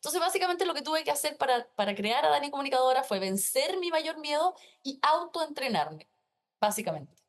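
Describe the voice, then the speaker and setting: A woman's high-pitched voice at a fairly quick pace, with lively intonation. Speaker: communication coach. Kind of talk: interview.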